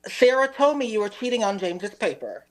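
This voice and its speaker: A woman playing a hesitant, apologetic teacher with bad news in an improvised comedy scene, speaking haltingly. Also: medium pitch, big pitch swings, natural voice, low-quality recording. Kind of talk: improvised comedy stage acting.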